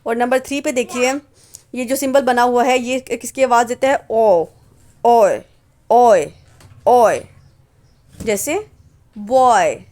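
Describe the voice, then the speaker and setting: A woman's voice: on the high side, fairly even intonation, a little slow. A woman teaching English phonetics, patiently repeating example words and asking and answering her own questions. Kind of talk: phonetics lesson explaining symbols.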